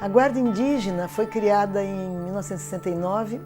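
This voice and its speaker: A woman's voice: medium pitch, fairly quick, music in the background. A Brazilian woman speaking as an expert in an interview, explaining and checking that the listener follows. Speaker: expert commentator.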